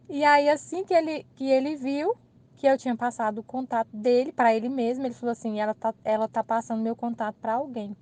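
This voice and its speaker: A Brazilian woman telling a personal anecdote in a casual, animated way, acting out the people in it and laughing at herself. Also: on the high side, brisk. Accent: Brazilian Portuguese. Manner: animated, laughing retelling with quoted dialogue. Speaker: channel host. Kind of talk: casual storytelling.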